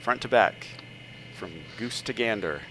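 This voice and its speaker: A man's voice: lowish voice, measured pace, gravelly, pushed and bright, a little hiss or hum, poor audio. A man hosting a book podcast with playful, stumbling banter. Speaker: podcast host. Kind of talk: casual book podcast chat.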